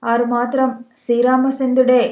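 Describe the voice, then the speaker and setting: Lady playing a young village woman, frightened but sharp-tongued, mellow tone. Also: on the high side, monotone, normal speed, close to an everyday voice. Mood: defiant. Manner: tearful, pleading. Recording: echoey room.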